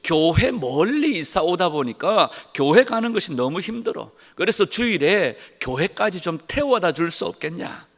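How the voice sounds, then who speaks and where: A calm, devout old mother, voiced by a man, answers gently and slowly. The tone is soft and lively in pitch. A long church-hall reverb hangs behind her words. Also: heavily acted. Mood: gentle.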